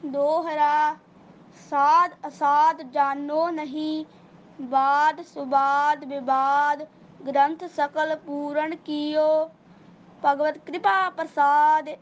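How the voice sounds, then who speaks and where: High, very slow, flat-chanting woman. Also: slight background noise. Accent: Punjabi. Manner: steady, even chant. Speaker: student reciting. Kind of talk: slow devotional recitation. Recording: dull lo-fi recording with faint ambience.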